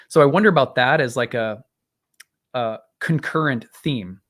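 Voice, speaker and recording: A man in his thirties or forties hosts a livestream and reads an astrology chart in a loose, rambling way, with plenty of fillers and restarts. His voice is strained and wearing out, and he clears his throat now and then. His pitch sits in the middle range for a man. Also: unhurried, fairly bright tone. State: voice strained and tiring. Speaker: astrologer, live stream host. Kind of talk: casual livestream talk and chart reading.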